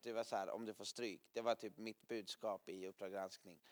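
A man's voice: lowish voice, steady tone. A man preaching a sermon to a gathering, telling vivid stories with sound effects and frequent laughter. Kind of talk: sermon with lively storytelling.

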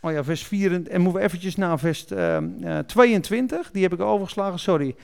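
A man's voice: high-pitched, animated, brisk, creaky. A man preaching, reading Bible verses aloud and explaining them, correcting small slips as he goes. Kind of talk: sermon reading and explaining scripture.

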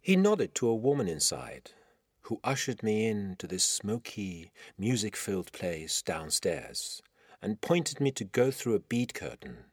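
A middle-aged man with an Iranian accent reading his own literary story in measured, dramatic phrasing. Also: on the low side, dry recording, studio quality. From Iran. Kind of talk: scripted literary narration.

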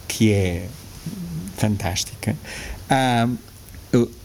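A gravelly, low-leaning voice draws out its words; it belongs to a man in his sixties with a European Portuguese accent, a reflective guest in a casual interview. He often restarts sentences and laughs softly. The recording is rough, with a little hiss or hum.

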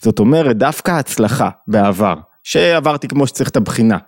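A man's voice: medium pitch, expressive, dry recording. Guy teaching a lesson, medium voice, asks the audience stuff, dry close mic. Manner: reflective, poses questions to listeners, acts out quoted voices. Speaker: lecturer on Jewish thought. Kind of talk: spoken lesson to camera.

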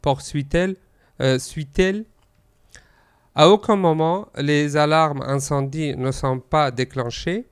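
Reading a news item on a talk show with hesitations and fillers, this presenter is a man whose first language is Arabic. His voice is fairly high and he takes it slowly, captured cleanly.

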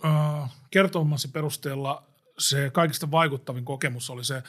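A man leading a casual podcast conversation. He poses questions to his co-hosts, pausing often on filler sounds as he gathers his thoughts. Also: a little high, steady tone, a bit bright. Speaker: podcast host asking questions. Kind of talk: casual chat.

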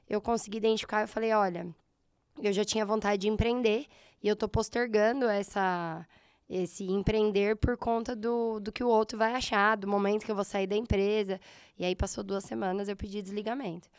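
Slightly hoarse Brazilian woman, smooth voice. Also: mid-range voice, normal speed, no room sound, clean studio sound. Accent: Brazilian Portuguese. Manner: animated storyteller, acts out her own past thoughts. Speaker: guest, entrepreneur. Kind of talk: casual storytelling interview.

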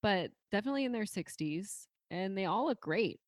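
A woman's voice: mid-range voice, lively intonation, fairly quick, no echo, clean studio sound. A woman co-hosting a podcast, easygoing, with frequent laughs and short reactions. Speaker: podcast co-host. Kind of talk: casual movie chat.

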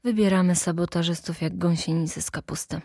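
A woman's voice: lowish voice, fairly even intonation, brisk, vocal fry, a little mellow, no echo, clean studio sound. Woman reading an earnest young party official. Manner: earnest, lecturing.

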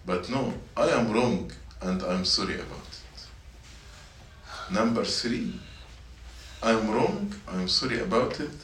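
A man's voice: fairly low pitch, slow, long pauses, a bit bright. A man teaching a sermon to middle schoolers, repeating his points and asking the students questions. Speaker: church youth teacher. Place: church meeting room. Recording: echoey room, mic at a distance, faint noise.

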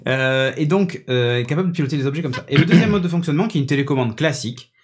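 A man's voice: medium pitch, very fast. Man, podcast host, casual tech chat, enthusiastic, hesitant fillers, studio mic. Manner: chatty, enthusiastic, demonstrating with many hesitations. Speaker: podcast host presenting a gadget. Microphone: podcast studio microphone on a mixing desk.

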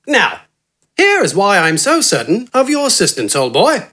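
A narrator voicing an eccentric, pompous male doctor who is manic and jovial and speaks in a grand, excitable way. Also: medium pitch, normal speed, pitched above the performer's own voice, exaggerated voice. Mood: scheming. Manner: pompous, excitable, keeps saying "old boy".

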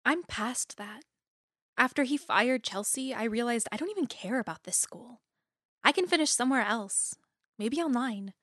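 A woman's voice: fairly high pitch, expressive, moderate pace, a bit bright, dry recording, studio quality. A woman playing an anxious but determined young student in an audio drama, understated and wry. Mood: dry, resolute. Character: anxious, determined young female student, dry wit, guarded. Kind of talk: audio drama acting, naturalistic dialogue.

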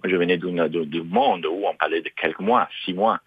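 A man's voice: low voice, fairly quick, breathy edge, no echo. A middle-aged man from Italy, speaking French as a second language, answering interview questions with many fillers and restarts. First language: Italian. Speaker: guest. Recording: dry, phone-like narrow sound.

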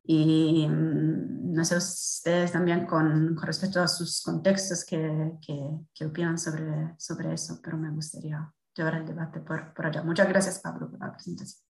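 A woman with an Italian accent speaking Spanish as a second language, haltingly searching for words in a spontaneous discussion. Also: low-pitched, flat delivery, gravelly, darkish tone. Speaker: course participant. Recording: roomy, echoing sound.

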